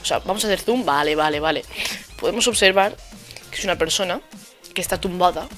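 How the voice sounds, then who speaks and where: Young Spanish gamer mocking hater comments. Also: male voice, sits high, fast talker, sharp tone, faint music behind. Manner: mocking, repeats insults with sarcasm. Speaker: gaming youtuber. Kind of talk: casual commentary over gameplay.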